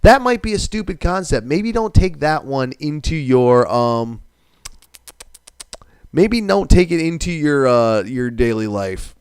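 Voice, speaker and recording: A man's voice: on the high side, big pitch swings, a little slow, a little mellow, clean tone, no room sound, studio quality. A man in his thirties from New England, hosting a live stream in casual, rambling chat, swearing now and then and reading viewer comments aloud.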